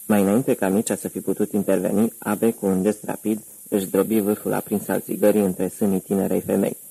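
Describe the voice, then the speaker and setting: A man reads a crime novel aloud in a measured audiobook narration. His voice is very deep and gravelly, with a husky edge, heard in a dry, close recording. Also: little pitch movement, warm tone, no echo, rough recording.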